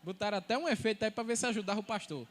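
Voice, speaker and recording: A male pastor with a light, thin voice, preaching an animated sermon that asks and answers its own questions and jokes with the congregation. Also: sits high, rapid-fire.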